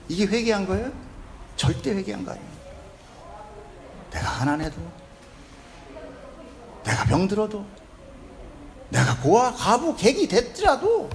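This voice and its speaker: Emphatic high-voiced Korean pastor preaching. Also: male voice. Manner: emphatic, questions the congregation often. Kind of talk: sermon. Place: church service in a hospital.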